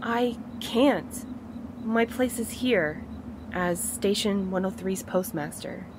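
A woman's voice: medium pitch, takes it slowly, background noise, natural voice. A woman playing an earnest, self-sacrificing postmaster in an audio drama. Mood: pleading, defensive.

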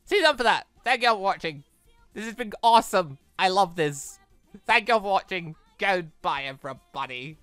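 A man's voice: high-pitched, lively intonation, a little fast, pushed and bright, clean tone, no room sound, soft background music. A man hosting a gaming channel, wrapping up a let's-play in casual, rambling, enthusiastic talk full of fillers.

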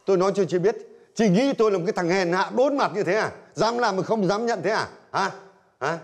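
A man's voice: sits high, lively intonation, a little fast. An actor playing a hot-tempered, proud old man in a nursing home, scolding and defensive. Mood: indignant. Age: older. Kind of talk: TV drama acting.

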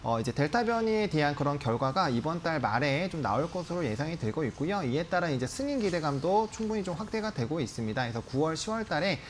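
Speaking quickly and with great animation, a man in his thirties with a slightly high voice explains the markets live as a TV analyst. His tone is formal and polite, and the studio lapel mic picks up a little hiss or hum between his few pauses.

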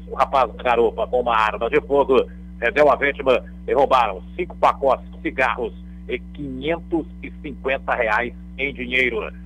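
Husky middle-aged man reading police news. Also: medium pitch, fairly bright tone, rough recording. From Brazil. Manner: conversational newsreading with fillers and tag questions. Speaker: police beat reporter. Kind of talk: radio police bulletin. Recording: radio broadcast audio.

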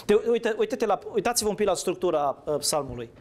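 A man delivers a sermon in a relaxed, conversational way, often putting questions to his listeners and then answering them. His voice sits a little high for a man. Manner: asks the audience questions, conversational. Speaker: preacher. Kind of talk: interactive sermon.

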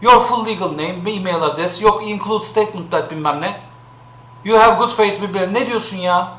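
A streamer man complains live, exasperated, circling back over the same gripes. His voice sits very high and sounds bright and sharp. The room around him rings with echo. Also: moderate pace. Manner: exasperated, complaining, repeats himself.

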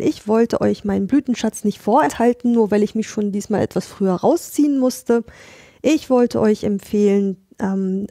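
Woman, podcast co-host, mellow tone, dry sound, casual recorded message. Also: medium pitch, gravelly, no room sound.

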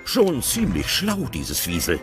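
A man narrating an audio play, describing the action in an animated storytelling way. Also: medium pitch, unhurried, over music.

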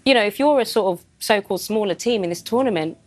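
A woman's voice: medium pitch, quick pace. A woman in her thirties making firm, direct points as a football pundit in a TV studio on a lapel mic. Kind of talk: post-match studio analysis. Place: TV studio above a stadium.

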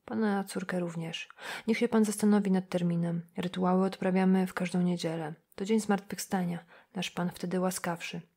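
Kobieta odgrywająca starego księdza, który mówi cicho i półszeptem, spokojnie, ale stanowczo. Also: female voice, slightly rough. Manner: hushed, half-whispered, low. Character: old male priest, calm, insistent.

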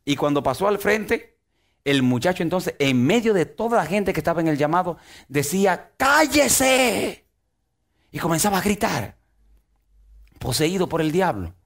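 A pastor delivers a sermon in a church. His voice sits a little high for a man, and he swings between loud outbursts and hushed, drawn-out phrases. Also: animated. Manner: dramatic preaching, swings from loud to soft.

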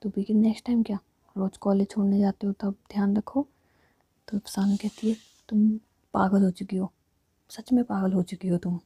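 A young woman telling a love story as whispered role-play, narrating and voicing each character herself in soft whispers. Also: medium pitch, little pitch movement, moderate pace, husky, no room sound.

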